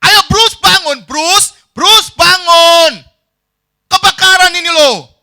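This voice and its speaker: A man voicing a frantic young man who yells urgently and keeps repeating his warning. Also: very high-pitched, takes it slowly, pitched above the performer's own voice, heavily acted. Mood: frantic yelling. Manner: yelling urgently, repeating himself.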